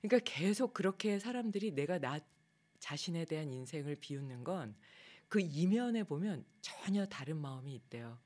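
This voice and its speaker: A woman who teaches meditation yoga, giving a casual talk in a soft, low-key way, her phrases trailing off quietly and turning higher and livelier when she acts out her own past complaints. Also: expressive, normal speed. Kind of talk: casual spoken talk on a daily theme.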